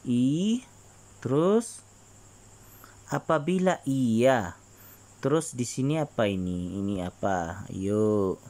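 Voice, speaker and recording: A male teacher, explaining a religion lesson to children and often clearing his throat. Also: medium pitch, lively intonation, takes it slowly, pauses often, darkish tone. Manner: frequent throat clearing, coaxing repetitions.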